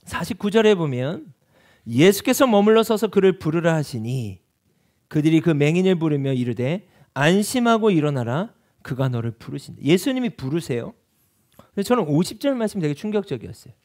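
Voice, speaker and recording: Animated high-pitched Korean pastor preaching. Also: male voice, moderate pace. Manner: animated preaching with rhetorical questions to the congregation. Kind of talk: sermon. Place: church.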